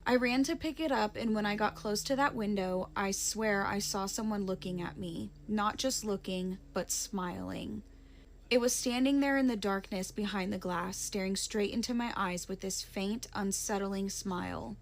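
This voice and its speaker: A woman with a Southern American lilt reads a submitted ghost story aloud. Her voice sits at an ordinary middle pitch, and she drops to a hush for the eerie parts. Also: moderate pace, vocal fry, a little hiss or hum. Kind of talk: reading a listener's story aloud.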